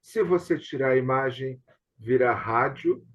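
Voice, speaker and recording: A man's voice: medium pitch, measured pace. Brazilian man, dull video-call sound. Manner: explanatory, often seeking agreement with tag questions. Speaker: host and theatre director. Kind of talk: casual online discussion.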